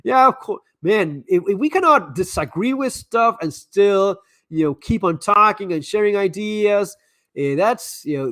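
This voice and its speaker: A high-pitched man, heard with no echo, hosts a live stream and responds to viewer messages. His talk is casual and his advice candid, broken up by frequent stammered repeats as he restarts sentences.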